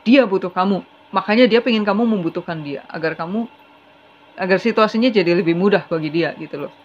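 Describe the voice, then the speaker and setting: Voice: medium pitch, brisk. A tarot reader giving a casual, chatty reading straight to the viewer, earnest and advising. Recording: slightly dull with faint hiss.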